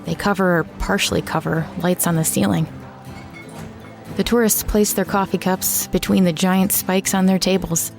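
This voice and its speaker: Low-voiced brooding woman, acted, music behind. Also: fairly even intonation, normal speed, vocal fry. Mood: defiant, bitter. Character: bitter returning woman writer, shunned by her hometown. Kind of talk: audio drama first-person narration.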